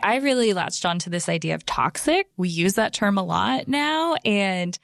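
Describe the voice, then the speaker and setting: A woman's voice: medium pitch, animated, moderate pace, creaky, dry recording, studio quality. A woman co-hosting a podcast, chatting in a conversational, upbeat way. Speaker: podcast co-host. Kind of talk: casual discussion.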